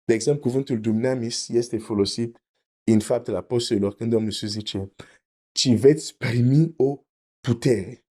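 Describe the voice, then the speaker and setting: A man's voice: mid-range voice, mellow. A man preaching a teaching sermon, explaining carefully, repeating his points and reading scripture aloud.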